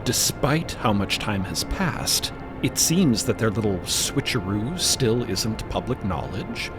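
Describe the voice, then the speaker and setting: Animated male audio drama narrator. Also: fairly low pitch, slow pace. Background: music bed.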